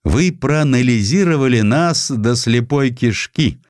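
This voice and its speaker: A man's voice: mid-range voice, lively intonation, unhurried, darkish tone, no echo, studio quality, voice pushed up, natural voice. A man playing a proud, boastful German kaiser in a dramatized audiobook.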